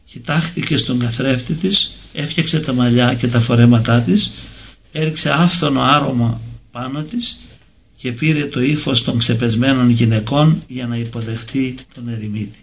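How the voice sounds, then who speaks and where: A man tells a religious story in a slow, measured reading. His voice is gravelly, at an ordinary middle pitch. The recording sounds dull and lo-fi. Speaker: narrator.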